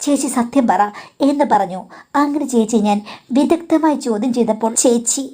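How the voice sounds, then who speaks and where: A woman narrates a first-person confessional story, confiding and direct, as if speaking to a counselor. Her voice is mellow and warm, and it sits a little high. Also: moderate pace. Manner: confiding, addresses a listener as madam.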